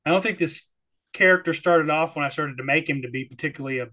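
A man from the Texas-Oklahoma area, a player recapping a tabletop game in casual chat, halting and repeating words. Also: a little high, sharp tone.

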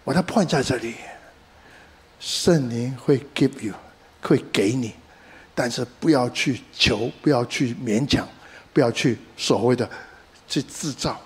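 A middle-aged male pastor preaching a sermon, animated in his emphasis, dropping English words into his talk and telling stories along the way. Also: medium pitch, measured pace. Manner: code-switches with English words, animated emphasis, storytelling asides.

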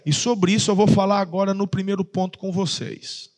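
Lively high-voiced preacher. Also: male voice, a little fast, big-room sound. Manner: lively, jokey preaching with acted asides and laughter. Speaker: pastor. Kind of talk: sermon.

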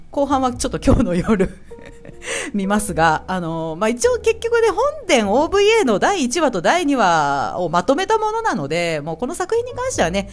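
A woman with a Kansai accent hosting a solo chat podcast about anime, chatty and laughing often as she acts out the characters' lines. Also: on the low side. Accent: Kansai Japanese. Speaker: podcast host.

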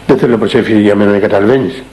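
A man's voice: fairly low pitch, steady tone, dark tone, close to an everyday voice. An older man quoting a possessed woman who warns him and scorns his prayers, with a contemptuous edge. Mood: scornful. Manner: warning, contemptuous. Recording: echoey room, faint noise.

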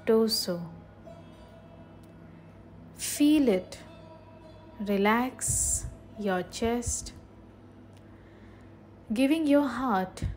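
Very slow, higher-pitched woman guiding meditation. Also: dark tone, low-quality recording. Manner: soothing, measured delivery with long pauses between short phrases. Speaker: meditation guide. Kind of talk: guided meditation narration.

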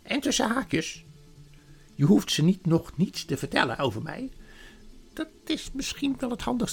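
A man putting on the White Witch, high and honeyed. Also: gravelly, heavily acted. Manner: honeyed, wheedling, drawn-out singsong. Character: coaxing, scheming White Witch queen, woman.

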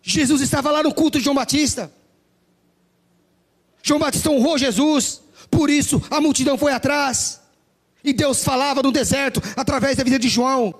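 A man's voice: extremely high pitch, steady tone, normal speed, long pauses. A man preaching a sermon, emphatic, stretching out stressed words.

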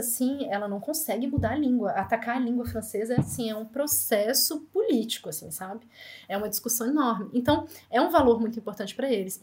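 A Brazilian woman in her thirties with a Brazilian Portuguese accent, telling lively anecdotes fast in an interview. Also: a little high. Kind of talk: casual storytelling.

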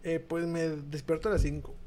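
Mexican guy on a podcast, voice a bit high, mostly short replies backing his buddy up. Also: flat delivery, normal speed, dark tone. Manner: short agreeing replies and interjections. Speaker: podcast co-host. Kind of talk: casual podcast chat.

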